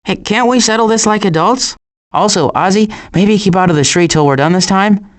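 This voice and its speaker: A man voicing a cautious, anxious adult male turtle in an animated video game, fretful and wry with deadpan sarcasm and stammers. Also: high-pitched, normal speed, close to an everyday voice. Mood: grumbling, wary.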